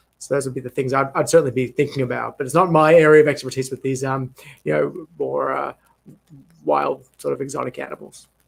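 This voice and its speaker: Someone with an Australian accent speaks at a very fast pace. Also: man. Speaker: veterinary neurologist. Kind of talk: live Q&A. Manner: halting, many fillers.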